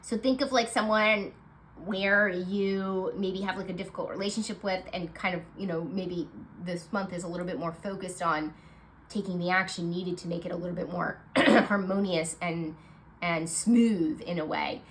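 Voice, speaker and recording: A woman's voice: lowish voice, fairly even intonation, normal speed, a little hiss or hum, low-quality recording. A woman with a nasal, stuffed-up voice giving a casual monthly tarot reading, chatty and reassuring with lots of fillers. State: congested, nasal voice. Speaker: tarot card reader.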